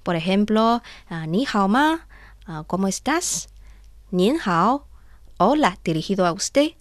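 On a radio language lesson, a Chinese-born co-host and teacher, a native Chinese speaker, drills pronunciation in a slow, careful way. Her medium-pitched voice is animated, and the recording is clean studio sound with no room echo.

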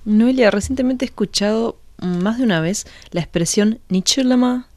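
A woman's voice: on the high side, moderate pace, a little mellow, dry recording. A woman co-hosting a radio language lesson, announcing segments and repeating phrases after the teacher. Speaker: co-host and learner.

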